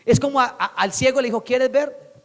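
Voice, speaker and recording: A young Colombian pastor preaches with a strikingly high, bright voice and lively, theatrical delivery. He jumps into dramatic voices as he quotes scripture. His words ring through a church hall with a long echo trailing behind. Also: racing. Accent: Colombian Spanish. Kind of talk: sermon. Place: church sanctuary.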